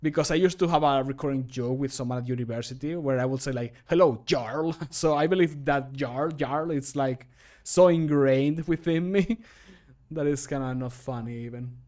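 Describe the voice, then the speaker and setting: A man in his thirties, a livestreamer and mod maker, chats casually to his stream from a small room at home using a desk microphone. His mid-pitched, slightly mellow voice moves at normal speed as he rambles from thought to thought. He gets sidetracked easily and chuckles often.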